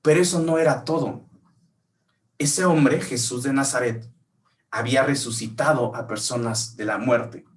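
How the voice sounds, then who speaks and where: A man's voice: mid-range voice, measured pace, recorded from a distance. A man preaching a sermon, telling a story and questioning his listeners. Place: church.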